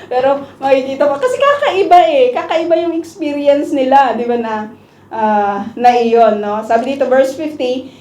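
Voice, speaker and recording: A woman's voice: high voice, darkish tone. A woman preaching a conversational Bible study sermon to her congregation, often checking in with the group as she talks. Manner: chatty, asks the group "di ba?" and "no?" often. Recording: echoey room recording.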